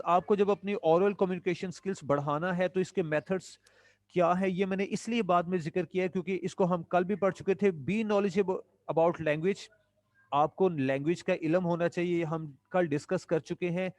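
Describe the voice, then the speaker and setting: A man gives a lecture in a fairly high voice. He reads each English line slowly and carefully, then explains it in Urdu. The recording is dry and close, with almost no room sound. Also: steady tone, darkish tone, no echo. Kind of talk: classroom lecture.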